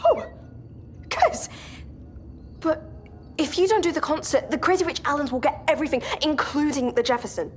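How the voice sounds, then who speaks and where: An actress in a children's TV comedy who speaks in a practical, explanatory way. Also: female voice, sits high, normal speed, pauses often, a little hiss or hum, lightly acted. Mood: earnest.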